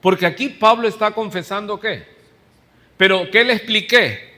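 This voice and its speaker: A man's voice: high-pitched, moderate pace, sharp tone. A male pastor with a Mexican Spanish accent, preaching a sermon and quizzing the congregation with rhetorical questions. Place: church. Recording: church hall reverb.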